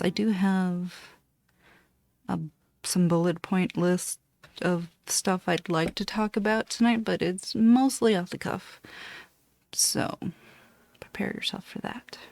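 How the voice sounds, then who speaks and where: A woman in her late thirties, originally from Costa Rica with Spanish as her first language, chatting casually and rambling as she introduces her channel from a dark room at home. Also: on the low side, creaky. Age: 30s. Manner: meandering, self-correcting, chatty. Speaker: cross-stitch vlogger.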